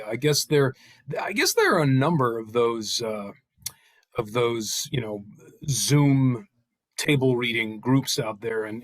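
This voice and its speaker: A middle-aged man chatting casually on a video call, often pausing partway through his sentences. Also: mid-range voice, a bit bright, no echo. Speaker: table read participant. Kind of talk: casual chat.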